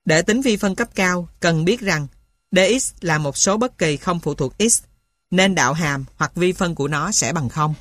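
A woman's voice: lowish voice, moderate pace, fairly bright tone, no echo, clean studio sound. A woman reading a textbook aloud in a dictating manner, spelling out each item piece by piece as scripted narration. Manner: dictating, spelling out formulas and punctuation symbol by symbol. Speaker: reader of a mathematics textbook.

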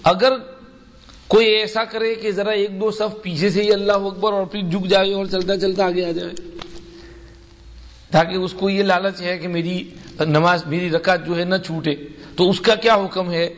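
A man's voice: high-pitched, flat delivery. Man teaching a hadith lesson, reverberant hall. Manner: explanatory, slow and deliberate. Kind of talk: religious lesson.

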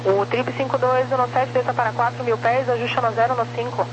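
A woman's voice: on the high side, fairly even intonation, a little fast. A Brazilian woman working as an air traffic controller, giving clipped procedural instructions over the radio.

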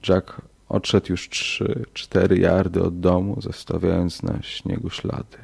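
Low gravelly guy reading a horror story, slow and measured, dark mellow tone. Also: flat delivery. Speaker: audiobook narrator. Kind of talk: scripted horror narration.

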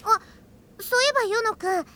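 A woman's voice: extremely high pitch, a little fast, bright, forceful tone. A woman playing a cheerful, eager, earnest young girl learning magic in a Japanese anime audio drama, with a sweet childlike manner. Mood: eager, curious.

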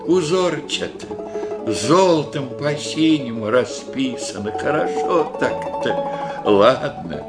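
An actor playing a gentle old village grandfather who speaks in slow, dreamy rustic speech in a radio play. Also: mid-range voice, expressive. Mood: tender. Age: older. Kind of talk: 1980s-style radio play acting. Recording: radio play with guitar music behind.

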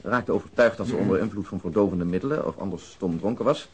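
An actor playing a police detective in a Dutch radio crime drama, explaining a case in a matter-of-fact way with dry asides. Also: male voice, deep voice, fast talker, slightly rough. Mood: matter-of-fact, grave. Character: male police detective briefing colleagues on an old case.

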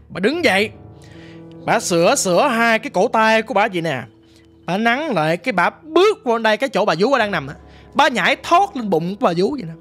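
Speaking straight to the listener, this guest storyteller recounts her ghost story with drama and vivid detail, though in a casual way. She has a Southern Vietnamese accent and a mid-range, somewhat bright voice.

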